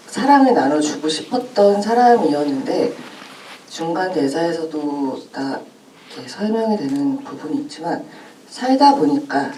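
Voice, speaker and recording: A thoughtful actress speaks at a film Q&A, pausing often to find her words. Her voice carries through a roomy cinema auditorium, heard from some distance with a faint hum underneath. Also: deep voice, warm tone. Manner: thoughtful, with frequent pauses and "uh" fillers. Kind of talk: reflective answer at a post-screening talk.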